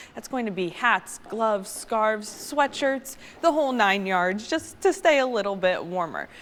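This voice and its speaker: A woman's normal speaking voice, fairly high in pitch, with lively intonation, a moderate pace and hardly any pauses. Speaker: meteorologist. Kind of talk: TV weather forecast.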